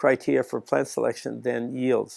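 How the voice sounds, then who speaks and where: A man's dark, mellow tone comes through as he talks fairly quickly. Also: very clean recording, silent background. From Montana. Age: 70s. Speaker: farmer. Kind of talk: interview.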